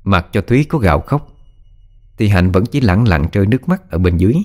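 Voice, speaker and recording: Deep-voiced man narrating a horror story. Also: fairly quick. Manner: dramatic, expressive.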